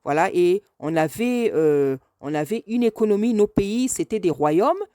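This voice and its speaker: Earnest woman, mellow dry voice, repeating herself. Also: mid-range voice, lively intonation, a little slow, no room sound. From France. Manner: hesitant, repeats phrases for emphasis. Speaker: speaker addressing a video message to a politician. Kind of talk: spontaneous spoken address, earnest monologue.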